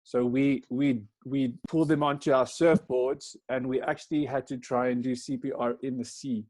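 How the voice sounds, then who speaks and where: A man, a pastor, shares a personal story with a training group, reflective and hesitant, filling pauses with ums. His voice sits mid-pitch and the sound is dry and close. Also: fairly even intonation, darkish tone, no room sound. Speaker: pastor sharing an experience.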